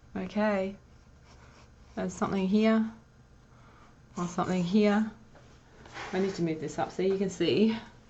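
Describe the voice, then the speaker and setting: A woman with a strong Australian accent, medium in pitch, at a moderate pace, in a flat monotone, somewhat breathy. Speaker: artist drawing on camera. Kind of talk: casual talk while drawing. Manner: casual, self-deprecating.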